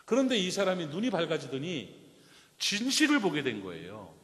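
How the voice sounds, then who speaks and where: High-pitched man preaching with animated ups and downs, long church reverb. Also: moderate pace. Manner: storytelling preacher, asks the congregation direct questions. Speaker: pastor. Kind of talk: sermon. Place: church sanctuary.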